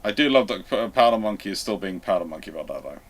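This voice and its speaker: A man's voice: lowish voice, animated, quick pace. A man hosting a live question-and-answer stream, talking in a chatty, rambling way. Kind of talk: casual live Q&A chat.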